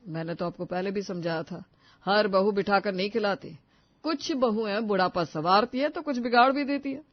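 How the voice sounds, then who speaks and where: A woman voicing a patient young man who reasons with his mother in an animated story. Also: mid-range voice, moderate pace, no room sound, muffled recording, lightly acted. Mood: reasoning. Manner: calm, reasoning, placating. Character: grown son, patient young husband.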